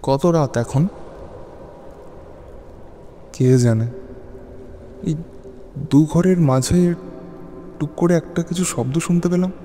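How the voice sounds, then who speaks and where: An actor playing an anxious husband who narrates a horror audio drama in a brooding, dramatic way with halting phrases. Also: male voice, on the high side, mellow, faint music behind, close to an everyday voice. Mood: longing, suspense. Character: anxious husband narrating his haunted stormy night.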